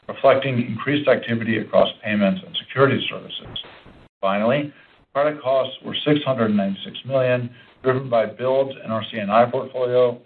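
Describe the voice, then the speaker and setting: A man giving a formal, scripted financial presentation as a company executive, in a businesslike manner. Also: fairly low pitch. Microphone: conference call line. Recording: narrowband, phone-like conference line.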